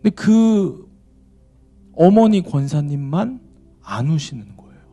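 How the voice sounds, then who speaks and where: A male pastor telling a story in a sermon at church, swinging between loud exclaims and hushed low tones. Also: big pitch swings, slow pace.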